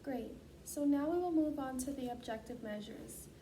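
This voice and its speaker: A woman with a high voice speaks as a clinician, formally reading out procedural instructions. She is picked up from some distance from the mic, with clear noise in the recording. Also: lively intonation, normal speed, dark tone. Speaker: student clinician giving a voice assessment.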